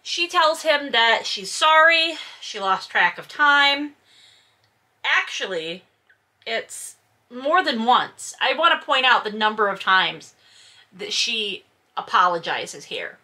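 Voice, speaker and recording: A woman's voice: fairly high pitch, expressive, takes it slowly, bright, forceful tone. A woman hosting a book read-aloud, breaking into casual, sarcastic and emphatic commentary with some swearing. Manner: sardonic, incredulous, emphatic.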